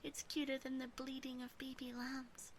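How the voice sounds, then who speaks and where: Woman acting a high-pitched teasing demon girl. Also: flat delivery, normal speed, a little hiss or hum, lightly acted. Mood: adoring. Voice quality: breathy, often whispered. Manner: gentle, teasing, sweetly possessive. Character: teasing, obsessive female yandere demon sister, doting captor. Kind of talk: ASMR roleplay.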